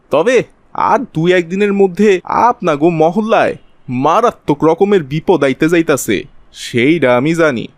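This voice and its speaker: A man's voice: fairly high pitch, no echo. A man playing a scheming city profiteer in a cartoon, with a Bangladeshi accent and a wheedling, colloquial, exaggerated way of talking. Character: scheming city man, sly profiteer spreading virus panic. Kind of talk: Bengali cartoon voice acting.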